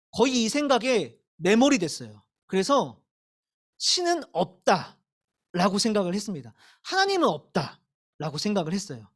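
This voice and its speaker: A young woman giving a sermon to middle schoolers in a church service, telling her story candidly and laughing at herself. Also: a little high. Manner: candid, animated storytelling with self-deprecating laughs. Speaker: youth pastor.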